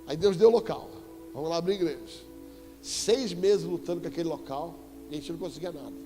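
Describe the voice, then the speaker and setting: A man with a Brazilian Portuguese accent preaching a sermon as an apostle, telling a story with animated emphasis and sudden loud exclamations. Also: on the high side, fairly quick. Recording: echoey church hall with faint music.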